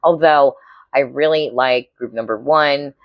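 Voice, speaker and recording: A woman with a hoarse, cracking voice giving a casual tarot reading to viewers, chatty and often checking in with her listeners. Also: a bass voice, measured pace, no room sound, highs cut off. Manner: chatty, keeps checking in with "all right?" and "okay?". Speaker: tarot reader.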